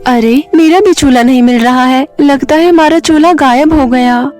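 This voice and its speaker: A woman as a high-voiced, sensible big sister. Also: normal speed, darkish tone, soft background music, close to an everyday voice. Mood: worried. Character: sensible, caring elder sister, a young girl.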